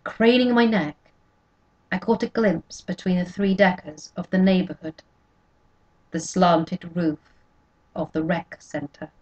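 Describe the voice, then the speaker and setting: A woman reading a novel aloud in first person, with measured, quietly expressive narration, in a dull lo-fi recording. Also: fairly low pitch. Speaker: audiobook reader.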